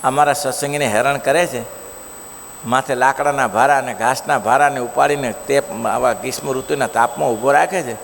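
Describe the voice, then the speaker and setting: A man voicing a stern male divine master who delivers a grave, measured rebuke to a sinner. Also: medium pitch, steady tone, vocal fry, lightly acted. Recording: long hall reverb, faint noise.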